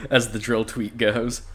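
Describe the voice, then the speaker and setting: A man with a medium-pitched, slightly rough voice co-hosts a podcast. He reads scripture aloud, interrupting it often with crude jokes and frequent laughter.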